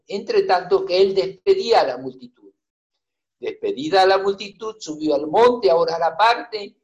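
Slow high-voiced man reading scripture. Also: a little mellow, dull audio. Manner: reads scripture aloud, adds joking asides and hesitant fillers. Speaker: preacher. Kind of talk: Bible reading with sermon commentary.

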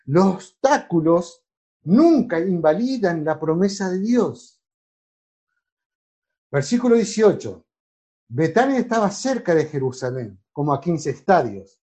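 A male preacher delivers a sermon in a mellow, somewhat high voice that swings widely in pitch. He reads scripture aloud, calls out verse numbers to the congregation, and stresses points with emphatic exclamations. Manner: emphatic, exclaiming, asks listeners to read verses. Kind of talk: sermon with Bible reading.

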